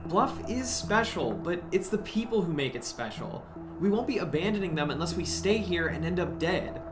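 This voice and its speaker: A man's voice: sits high, lively intonation, moderate pace, over music. An actor playing an anxious, practical young man with an earnest, hesitant manner in an audio drama. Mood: exasperated. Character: anxious, practical young adult urging friends to flee. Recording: clear background noise.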